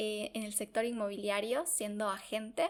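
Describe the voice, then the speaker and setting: On a very clean recording with a silent background, a woman with a fairly high pitch speaks at a fairly slow pace. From Ecuador, Quito. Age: 30s. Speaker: podcast host, feng shui consultant. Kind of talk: podcast monologue.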